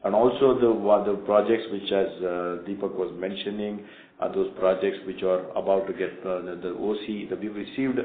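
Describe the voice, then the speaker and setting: A man's voice: deep voice, steady tone, normal speed. A man answering as a company executive, rambling and correcting himself as he goes. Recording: echoey phone line with faint noise.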